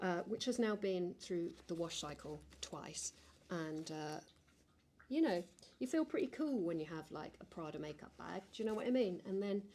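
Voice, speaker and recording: Lively intonation marks this woman's fairly low voice. She has a dark, mellow tone and an English accent. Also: moderate pace. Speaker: makeup vlogger. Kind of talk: makeup tutorial. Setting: home studio. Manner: loud.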